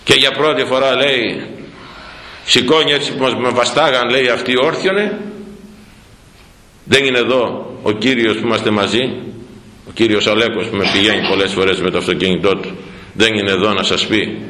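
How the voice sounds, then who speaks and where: A man, a priest, preaching a sermon as animated storytelling, asking rhetorical questions and repeating words. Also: fairly low pitch, pauses often, roomy sound, low-quality recording. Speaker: priest, former head of a parish church.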